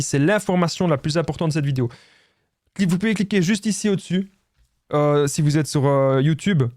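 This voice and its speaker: Addressing viewers directly, a Belgian French-accented man offers relationship advice, insisting, repeating himself, and often calling them his friends. His pitch is fairly high with a darkish tone, captured in clean studio sound with no echo.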